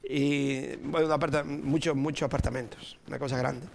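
A Dominican man in his sixties with a Dominican Spanish accent, giving an informal sermon with personal stories, playful and quick to chuckle, dropping in English words. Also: medium pitch, fairly even intonation, vocal fry, a little mellow, slight background noise. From Dominican Republic. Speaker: preacher.

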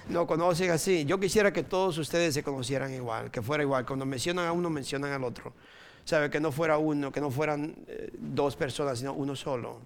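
A Dominican man in his sixties with a Dominican Spanish accent, giving an informal sermon with personal stories, playful and quick to chuckle, dropping in English words. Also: on the high side, a little hiss or hum. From Dominican Republic. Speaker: preacher.

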